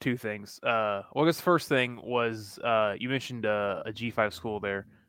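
An unremarkable speaking voice from a man with an American accent, medium pitch and a moderate pace. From northern Missouri. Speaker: sports podcast co-host. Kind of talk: casual chat.

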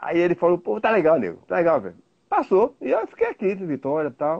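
Very wide pitch swings and a fairly quick pace from a man with a high pitch. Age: 60s. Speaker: goalkeeper coach, former goalkeeper. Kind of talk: interview.

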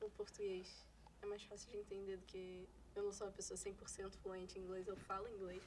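At a moderate pace, a woman speaks in a monotone, flat way at medium pitch. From Brazil, Rio de Janeiro. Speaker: university student. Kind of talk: podcast interview.

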